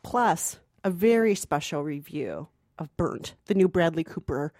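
A woman's voice: low voice, lively intonation, measured pace, a little mellow, no room sound, studio quality. A woman co-hosting a movie podcast, chatting casually and conversationally with a wry, joking manner. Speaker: podcast co-host, culture producer. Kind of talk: casual movie review chat.

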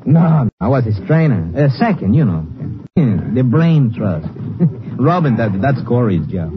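An actor playing a chummy, evasive boxing trainer in 1950s radio drama, hesitant and slangy with broken grammar. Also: male voice, mid-range voice, sing-song, a little slow. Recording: dull, noisy old radio recording.

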